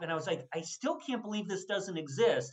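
A high-pitched man with a Boston accent, lively intonation and a fairly quick pace. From Boston area, Massachusetts (Saugus). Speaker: tribute band musician. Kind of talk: radio interview.

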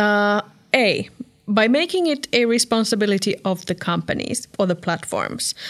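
With a Finnish accent, a woman speaks at a moderate pace with a fairly high pitch and ordinary pitch variation. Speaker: podcast host. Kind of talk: interview.

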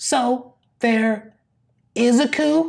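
A man uses a put-on character voice that is squeaky and shaky. It sits at an extremely high pitch with ordinary pitch variation. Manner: quivering, anxious.

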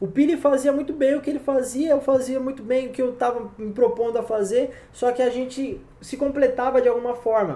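In a São Paulo accent, a man talks at a fairly quick pace with an extremely high pitch. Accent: Brazilian Portuguese, São Paulo. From Brazil, Carapicuíba (São Paulo). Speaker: podcaster and video creator. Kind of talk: casual monologue to audience. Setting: recorded during live stream. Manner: animated.

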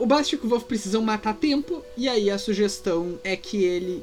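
Music in the background behind a man's high voice, moderately paced, with lively intonation. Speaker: podcast host. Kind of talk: casual chat.

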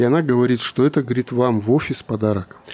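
Against noticeable background noise, a man talks at a fairly quick pace and medium pitch with ordinary pitch variation. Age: 40s. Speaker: podcast co-host. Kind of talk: casual chat.

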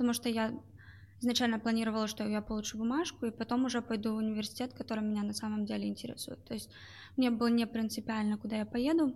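This woman's fairly high voice is somewhat breathy and monotone, with flat intonation. She speaks at a very fast pace. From Russia, Chelyabinsk. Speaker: engineering graduate, tech company employee. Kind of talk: interview.

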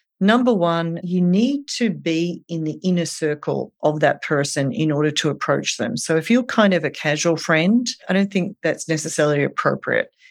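Moderate pace with hardly any pauses from a woman with an Australian accent, fairly low pitch and lively intonation. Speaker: registered dietitian, treatment center founder. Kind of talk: interview.

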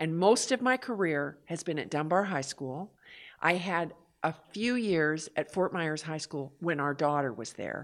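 A woman's very deep, low voice with a western Canadian accent and lively intonation. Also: very clean recording, silent background. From Canada, Vancouver Island, British Columbia. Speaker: reading coach and former Olympic sprinter. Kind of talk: interview.

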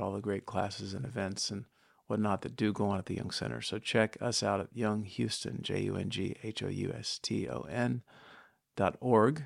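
On a very clean recording with a silent background, a man with a fairly low pitch and vocal fry speaks with ordinary pitch variation. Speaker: podcast host. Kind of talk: interview.

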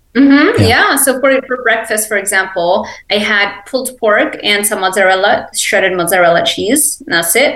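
Over noticeable background noise, a woman with a fairly high voice speaks at a moderate pace, with lively intonation, very even loudness and hardly any pauses. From Lebanon. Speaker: exercise physiologist and nutrition coach. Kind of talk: casual interview chat.

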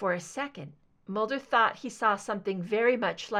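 What you hear is plain reading aloud.

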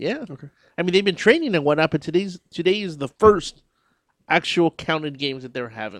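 A plain, everyday voice: a man with an American accent, fairly high pitch, lively intonation, fairly quick pace, big swings in loudness, dry, close sound with no echo. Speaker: radio host. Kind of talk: radio DJ patter. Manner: upbeat, rapid-fire, jokey patter.

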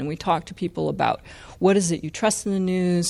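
This woman has a plain, everyday voice, fairly low in pitch with ordinary pitch variation, speaking at a fairly quick pace against a quiet background. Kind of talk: public conversation with audience. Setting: stage with audience.

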